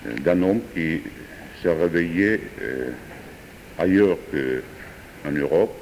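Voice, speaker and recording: A man, a French speaker, improvising a philosophical talk with hesitant pauses and fillers. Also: deep voice, lively intonation, darkish tone, slight background noise. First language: Georgian. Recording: distant voice in a reverberant hall.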